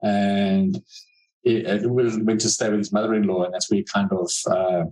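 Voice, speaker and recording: A middle-aged man from South Africa speaks casually as an interview guest. His voice sits low, and he pauses and restarts often with ums and uhs as he searches for words. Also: little pitch movement, mellow, low-quality recording. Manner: hesitant, many fillers and restarts. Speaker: cartoonist guest.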